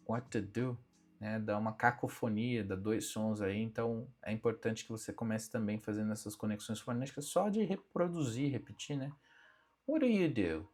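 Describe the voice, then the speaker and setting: Chatty Brazilian man teaching English. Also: medium pitch. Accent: Brazilian Portuguese. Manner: chatty, repeats English phrases slowly for students to copy. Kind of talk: casual spoken language lesson. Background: faint background music.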